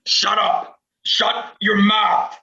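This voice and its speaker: An actor playing a grieving, bitter cowboy in a Western audio play, with a gravelly rasp and an anguished, volatile delivery. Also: male voice, high voice, monotone, drawn-out words, highs cut off, full character voice. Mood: furious. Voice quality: raspy, gravelly. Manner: anguished, swinging from growl to shout.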